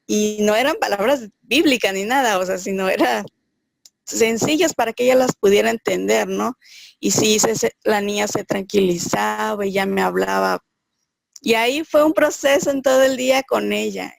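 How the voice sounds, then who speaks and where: A woman's voice: mid-range voice, vocal fry, dry recording. A woman sharing a personal faith testimony, earnest and searching, thinking aloud as she goes.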